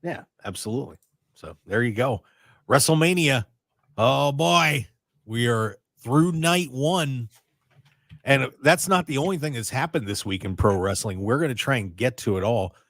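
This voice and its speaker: A man hosting a radio show in casual, rambling chat, his voice a little raspy and strained. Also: mid-range voice, normal speed, dry recording, clean studio sound. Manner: chatty, excitable, rambling. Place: radio studio.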